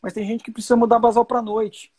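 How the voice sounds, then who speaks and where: A man's voice: extremely high pitch, level tone, fast, warm tone, slightly rough. A man in his forties hosting a live chat, explaining with reassurance and repeating key points. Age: 40s. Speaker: host.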